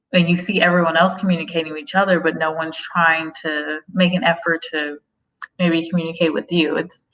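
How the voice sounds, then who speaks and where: A woman's voice: low voice, pushed and bright, far from the mic, rough recording. A woman hosting a casual livestream, reading viewer comments aloud, chatty and prone to tangents, with frequent laughs. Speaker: host of a career-advice livestream.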